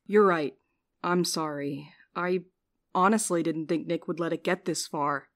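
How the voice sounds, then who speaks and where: A woman's voice: on the low side, steady tone, unhurried. A woman playing a jaded, sleep-deprived young courier with a dry, sarcastic way of talking in a fiction podcast. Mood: confessional, bitter. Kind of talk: audio fiction podcast acting.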